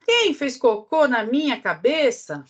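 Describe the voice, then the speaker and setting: A woman voicing a small, near-sighted young female mole who keeps asking in a high, insistent voice, reading a storybook aloud. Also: very animated, measured pace, husky, heavily acted. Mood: indignant. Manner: high, insistent repeated questioning.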